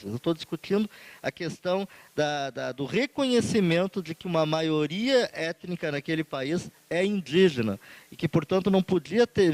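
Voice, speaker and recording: A man's voice: a little high, a little mellow, no room sound, rough recording. A man with a Brazilian Portuguese accent giving a formal conference speech as a union leader, earnest and emphatic, building rhetorical lists.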